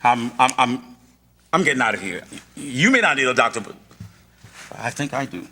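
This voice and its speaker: A man performs an excitable, fussing working-class character for a staged radio play. His voice is forceful and lively in pitch, with broken grammar, over slight noise from the live stage. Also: normal speed. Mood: baffled. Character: excitable, protective, working-class barkeep or bridgekeeper. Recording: noisy live stage microphone.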